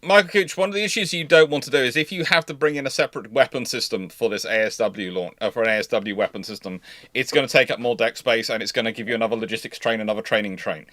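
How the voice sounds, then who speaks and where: A man hosting a casual livestream, talking in a rambling, animated way and often interrupting himself. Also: medium pitch, quick pace, no room sound. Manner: animated, rambling enthusiast with frequent self-interruptions. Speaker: livestream host.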